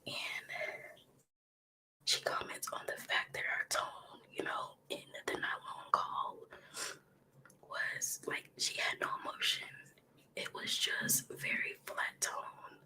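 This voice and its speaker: A woman's voice: slow, poor audio. A woman, whispering her commentary on a livestream close to the mic, sniffling from a cold. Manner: soft whisper with frequent ums and likes. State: getting over a cold, sniffling. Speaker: ASMR livestream host. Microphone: close ASMR microphone.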